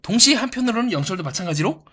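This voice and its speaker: Brief: male commentator, quick delivery, lively swinging pitch, posing and answering his own questions. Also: breathy edge. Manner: asks rhetorical questions and answers them; lively, acts out quoted voices. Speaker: YouTube psychoanalysis commentator. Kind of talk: analytical commentary on a reality show.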